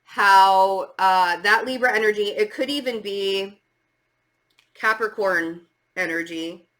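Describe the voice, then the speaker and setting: With a sharp tone in a mid-range voice, a middle-aged woman delivers a spiritual tarot reading to viewers. She speaks casually but emphatically, stammering slightly, halting at times, and repeating words for emphasis.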